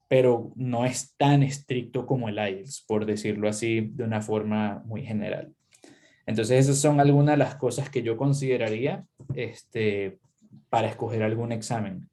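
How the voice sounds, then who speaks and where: A young adult man, an English teacher, giving casual conversational advice in an interview, with frequent fillers. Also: mid-range voice. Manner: relaxed, conversational, uses many fillers.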